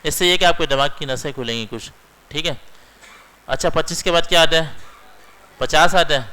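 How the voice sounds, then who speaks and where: In a poorly recorded screen-capture computer lesson, a young male instructor goes through the material step by step, often asking his students "theek hai". He speaks at a moderate pace in a fairly high voice with a sharp, clear, resonant tone.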